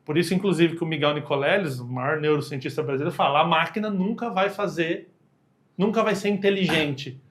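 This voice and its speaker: Speaking fairly quickly in a slightly high, fairly bright voice, a Brazilian-accented man appears as a podcast guest and communication expert. He keeps it casual and slangy, performing quoted dialogue in voices.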